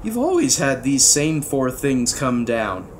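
A man's voice: high voice, wildly swooping pitch, a little slow, slight background noise, voice pushed up, full character voice. A man voicing an earnest, anxious young page boy in a storybook, deferential and pleading. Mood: earnest, worried.

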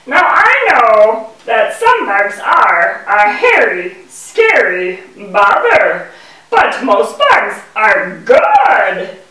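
A woman voicing a gentle, busy mother bee puppet, explaining earnestly and emphatically in sing-song rhymes for a children's show. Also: a little high, exaggerated voice. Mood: aggrieved. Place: indoor puppet stage in a room. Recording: echoey room, distant microphone.

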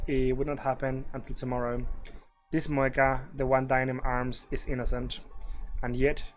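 A man streaming a game, reading its narration aloud slowly and earnestly and chatting loosely in between. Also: medium pitch. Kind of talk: reading a visual novel aloud with commentary.

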